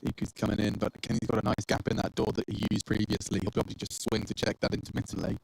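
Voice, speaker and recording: A man's voice: fairly low pitch, flat delivery, fast talker, gravelly, darkish tone, poor audio. A man giving chatty, joking color commentary and analysis on an esports match.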